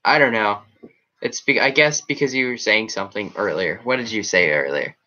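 A teenage boy with a headset hosts a livestream from a small room with a green backdrop, rambling casually and chattily as he reads and reacts to comments. His voice is lowish, pushed, and bright at a normal speed, and the audio has its highs cut off.

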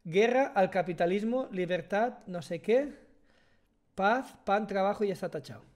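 Spanish accent, young man, headset stream, fairly high voice, muttered asides. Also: normal speed. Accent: Spanish from Spain. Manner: interrupts often, muttering asides, then bursts of emphatic talk. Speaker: streamer reacting to a video. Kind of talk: casual reaction commentary. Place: small room at home.

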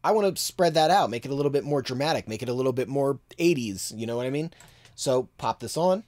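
A man in his thirties with a mid-range voice talks quickly over faint music. He's giving a casual screen-share tutorial on mixing from his home studio, relaxed and thinking aloud with fillers as he works.

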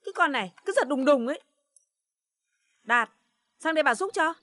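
Fussy doting mom-in-law, high bright voice, grumbly sighs. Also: female voice, animated, normal speed, no room sound, studio quality. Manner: scolding but doting, exasperated sighs. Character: indulgent older mother-in-law, household matriarch. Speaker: mother in a TV drama.

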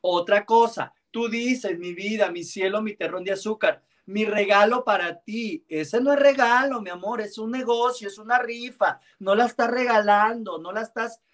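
A man hosting a celebrity gossip show from home on a video call, animated and teasing, scattering endearments through his commentary. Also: high voice, normal speed, few pauses, far from the mic. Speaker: entertainment gossip host.

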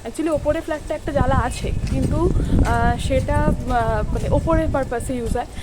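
A woman's voice: sits high, normal speed. Young woman chatting away in her daily vlog, mixing in english words, phone mic, noisy street behind her. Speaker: vlogger. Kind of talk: casual daily vlog chat. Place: home and busy streets. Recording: noisy street and room background.

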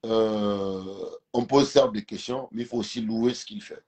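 A man's voice: lowish voice, a little slow, a little mellow. A man from Gabon whose first language is Fang, talking emphatically on a phone video call while lying on a couch, often repeating words as he searches for them. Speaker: live stream guest. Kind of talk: casual debate over a video call. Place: indoors, lying on a couch at home. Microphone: phone camera held close.

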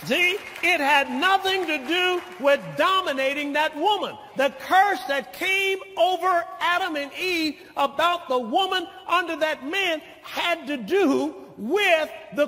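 An older man preaching a sermon as pastor, teaching slowly and deliberately, then building to shouted lines and calls for amen. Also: extremely high pitch. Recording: long hall reverb of a church.

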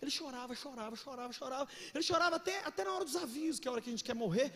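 A Brazilian man preaching a sermon, telling stories with animated swings between shouts and hushed asides. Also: extremely high pitch, rapid-fire. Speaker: pastor. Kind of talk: sermon with storytelling. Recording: echoey hall with faint noise.

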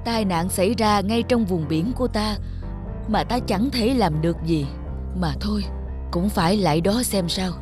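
A woman voicing solemn characters in a dramatic animated sea fable. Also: mid-range voice, normal speed, music in the background, close to an everyday voice. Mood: grave, lamenting.

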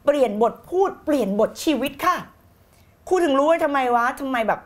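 Brisk and fiery, this female motivational coach teaches the law of attraction over a live stream in a high, bright voice. Energetic and emphatic, she drives points home through repetition, urges viewers to shout back, and mixes in occasional English words and blunt slang.

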